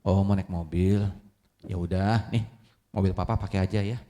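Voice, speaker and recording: A man playing a patient middle-aged father who gently offers his own old car to his son. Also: sits low, steady tone, voice pushed down, natural voice. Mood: calm patient. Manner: quiet, gentle, slow.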